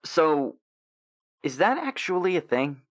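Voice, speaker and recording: A man playing an awkward, embarrassed sixteen-year-old werewolf boy in an audio drama, hesitant, stammering and clearing his throat. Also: a little high, sing-song, slow.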